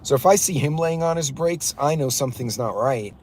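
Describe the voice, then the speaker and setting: A man's voice: fairly high pitch, a little fast, a little mellow, slight background noise. A man hosting a live driving vlog from his pickup truck, giving blunt, ranting road-safety advice to his chat viewers. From West Texas. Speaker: prepper channel host.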